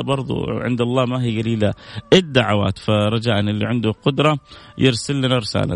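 A man's voice: medium pitch, creaky, no room sound. A man hosting a radio charity call-in, making earnest pleading appeals and repeating blessings. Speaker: radio charity show host. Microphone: studio microphone.

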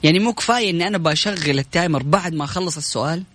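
A man's voice: on the high side, racing, a bit bright. A man co-hosting a morning radio show, teasing his guests and laughing often. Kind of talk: playful radio banter.

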